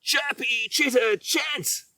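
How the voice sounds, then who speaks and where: Man putting on a loud, high-pitched feisty little robin. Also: no room sound, studio quality, exaggerated voice. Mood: boastful, defiant. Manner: loud chanting with drawn-out words. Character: feisty little male robin, boastful and territorial. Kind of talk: children's storybook character voice.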